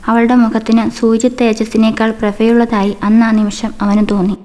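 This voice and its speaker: A woman's voice: fairly high pitch, flat delivery, normal speed, dark tone. A woman reading a literary short story as scripted narration for radio.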